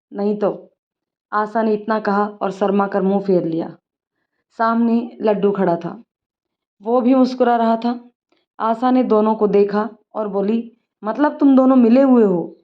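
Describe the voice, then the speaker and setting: A woman's voice: mid-range voice, muffled recording. A woman narrating a story and voicing all of its characters herself. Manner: reads all the parts herself.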